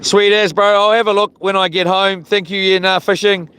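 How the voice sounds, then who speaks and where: With a high, pushed, bright voice and flat delivery at a moderate pace, a broad-accented New Zealander chats and rambles while hosting a fishing livestream. He's outdoors on a small boat, and the water and boat noise are clearly audible.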